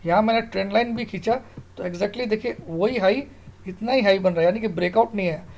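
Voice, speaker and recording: A middle-aged man with a gravelly, creaky voice walks through material as an informal tutor. He sounds sure of himself, stresses key terms and keeps asking the listener questions. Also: high voice, a little fast, a little mellow. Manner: repeatedly questions and checks with the listener. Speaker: stock market analyst and online tutor. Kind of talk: informal screen-tutorial explanation of trading charts.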